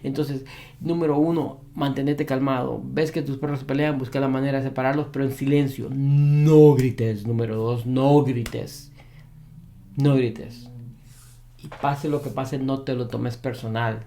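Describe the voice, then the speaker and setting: A man's voice: on the high side, a little mellow. A man who trains dogs giving an advice monologue to camera, repeating his key points with emphasis. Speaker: dog behavior trainer.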